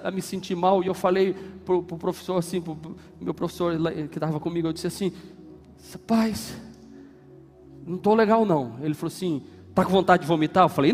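High-pitched Brazilian pastor preaching, echoing hall. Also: male voice, steady tone, fast. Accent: Brazilian Portuguese. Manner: preaching with sweeping swings from hushed to shouted. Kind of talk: sermon. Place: church hall. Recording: reverberant church hall with music.

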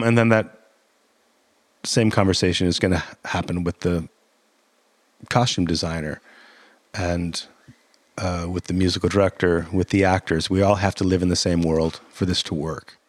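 A man's voice: low voice, steady tone, normal speed, long pauses, no echo. A man who directs theater, answering interview questions in a thoughtful, rambling way with frequent fillers and restarts.

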